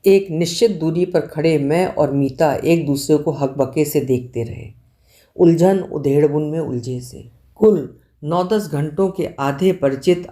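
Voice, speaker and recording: A woman's voice: deep voice, warm tone. A woman reading a literary short story aloud, narrating expressively and acting out the dialogue. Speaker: story reader.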